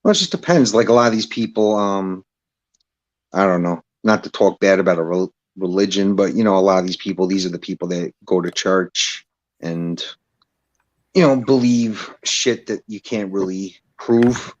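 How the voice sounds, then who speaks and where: A man's voice: deep voice, moderate pace, dull audio. A man in a casual chat, laid-back and frank, swearing casually.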